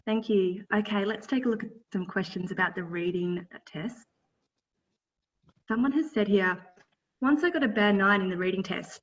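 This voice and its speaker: A woman's voice: mid-range voice, a bit bright. A woman with a Tasmanian accent who moderates a webinar and reads out audience questions. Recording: dull distant webinar audio.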